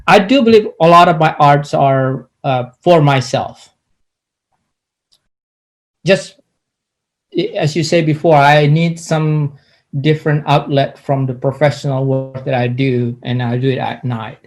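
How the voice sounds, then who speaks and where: A middle-aged man from Indonesia, an artist answering interview questions in a halting way with many restarts and pauses. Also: on the high side, steady tone.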